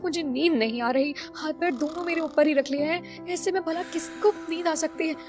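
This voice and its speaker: A woman voicing a young daughter-in-law in an animated story, weary and complaining. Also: high-pitched, normal speed, music in the background, pitched above the performer's own voice, natural voice. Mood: fretful. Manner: complaining, fretful.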